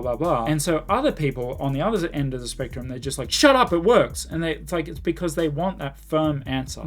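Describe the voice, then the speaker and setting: Higher-pitched man, blunt and emphatic. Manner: emphatic, blunt, exasperated, mimics commenters. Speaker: YouTube language-learning commentator. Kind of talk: casual opinionated commentary to camera.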